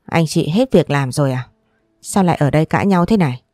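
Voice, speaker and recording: Reader voicing a stern lecturing mother-in-law, mellow voice, dry sound. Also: mid-range voice, animated, brisk, no echo, soft background music, natural voice. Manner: firm and lecturing. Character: strict, commanding mother-in-law of the household.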